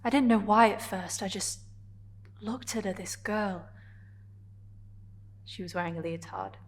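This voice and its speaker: A woman with a natural, medium-pitched voice delivers a dramatic stage monologue as a vulnerable yet defiant gay woman confronting her partner. Her phrases come haltingly, charged with emotion, in a quiet, confessional mood.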